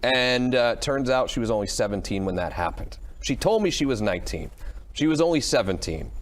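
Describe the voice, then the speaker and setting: Talk show host posing legal hypotheticals. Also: male voice, medium pitch, lively intonation, a little fast. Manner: conversational, poses hypotheticals and short reactions. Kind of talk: broadcast call-in talk show hosting.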